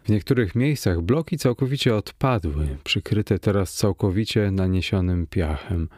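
A man narrating an adventure audiobook in a measured, steady manner. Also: deep voice, no room sound, studio quality. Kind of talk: scripted narration.

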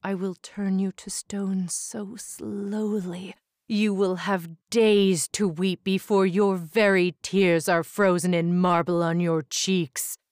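A woman voicing a cursed female gorgon with snakes for hair, speaking soft, low and menacing. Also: level tone, takes it slowly, no echo, studio quality, natural voice. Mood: threatening.

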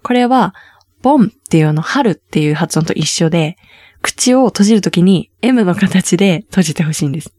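A woman with a slightly low voice teaches Korean pronunciation in a relaxed, chatty way. She explains patiently and lifts her pitch on the words she stresses. The sound is dry and close. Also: fairly quick, dry recording. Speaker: Korean language teacher host. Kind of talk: casual language lesson chat.

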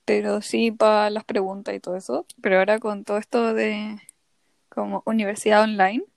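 Gravelly young Chilean woman. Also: mid-range voice, normal speed, no room sound. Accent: Chilean Spanish. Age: young adult. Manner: animated storytelling, acts out quotes. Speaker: podcast co-host. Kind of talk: casual chat.

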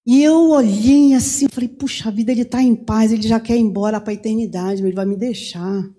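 A woman's voice: sits high, dark tone. A middle-aged woman preacher giving an impassioned sermon testimony, her voice rising when she pleads.

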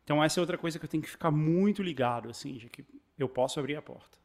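A man from Brazil with a Brazilian Portuguese accent, telling stories in casual chat, animated and full of restarts. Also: a little high, very fast. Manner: animated storyteller, many restarts and fillers.

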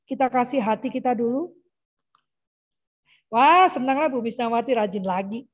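A middle-aged woman giving a chatty parenting talk over a video call, lively and quick to mimic children's voices. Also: fairly high pitch. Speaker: parenting speaker. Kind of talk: conversational online parenting talk.

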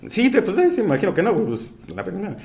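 A man with a Mexican accent hosts a casual podcast, his speech loaded with crude slang and swear-word fillers. His voice sits a little high and swings widely in pitch as he jokes around. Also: very animated, quick pace, creaky, a little mellow. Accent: Mexican Spanish. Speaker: podcast host. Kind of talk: casual chat.

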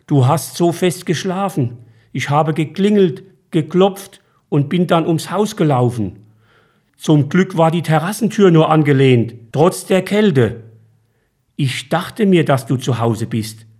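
A man's voice: a little high, expressive, a little slow, a little mellow, slightly rough, voice pushed up. A man reading a story aloud, voicing the narrator's grown-up son with a lifted, eager voice. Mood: concerned. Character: young adult son, worried then cheerful.

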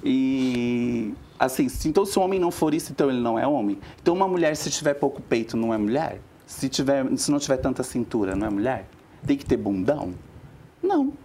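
A woman's voice: very deep voice, fast, a little hiss or hum. A woman, a vocal teacher talking expressively as a guest on a TV talk show. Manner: expressive and chatty, calls people "meu amor". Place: TV studio.

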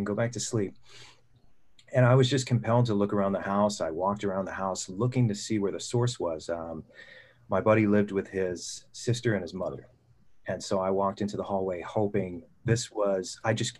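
Low husky-voiced man telling a story. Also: darkish tone. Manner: earnest, reflective, frequent restarts. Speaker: guest filmmaker. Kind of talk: casual storytelling.

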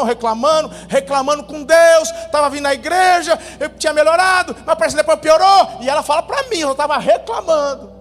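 A male pastor preaching a sermon, telling a testimony dramatically, his voice swinging between loud bursts and hushed moments. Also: very high voice. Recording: reverberant hall with faint music.

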